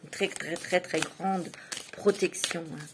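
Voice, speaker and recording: A woman's voice: lowish voice, steady tone, takes it slowly, noisy background. A woman giving a casual tarot reading, chatty and often laughing, filling her speech with little asides. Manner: chatty, laughs often, many fillers like "hein". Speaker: tarot reader.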